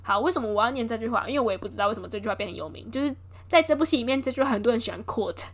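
A woman's voice: fairly high pitch, very fast. A young woman hosting a casual chat, retelling a film scene by scene and acting out the characters' lines. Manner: lively, acts out quotes with voice shifts and laughs.

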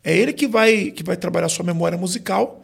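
A Brazilian gospel singer and vocal coach explaining singing on a podcast, with lots of "né" and "tipo" fillers. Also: male voice, high-pitched, fairly quick, vocal fry, breathy edge. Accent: Brazilian Portuguese. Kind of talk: podcast interview.

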